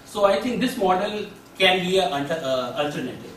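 Echoey, distant Indian man, higher-pitched voice. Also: expressive, brisk, a bit bright. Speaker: academic presenter. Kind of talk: conference presentation with slides. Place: small classroom, seated at a desk. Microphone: far camera. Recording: echoey room, distant mic, faint noise.

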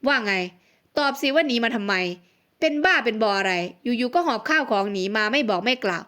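A woman's voice: a little high, expressive, brisk, a bit bright, clean tone. A woman voicing a domineering, arrogant young male mafia boss in an audiobook, scolding and menacing. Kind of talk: audiobook character voice.

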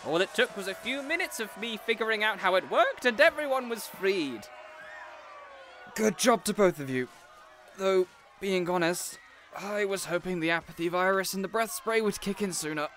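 Smug, cheerful bruiser of a hero, male actor, audio roleplay, high animated boisterous delivery, slight background noise. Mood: chipper. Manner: loud, triumphant, chatty. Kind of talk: character audio roleplay acting.

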